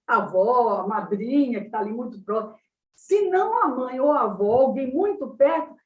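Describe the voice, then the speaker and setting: A woman psychologist with a Brazilian Portuguese accent, giving an animated talk on child development. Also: high voice. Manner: animated explaining, acts out mothers' baby talk. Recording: roomy sound, distant from the mic.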